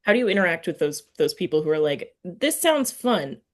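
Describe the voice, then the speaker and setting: A woman's voice: lowish voice, big pitch swings, brisk. A woman hosting a casual literary interview, speaking informally and thinking aloud as she forms her questions. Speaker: podcast interviewer and writing teacher.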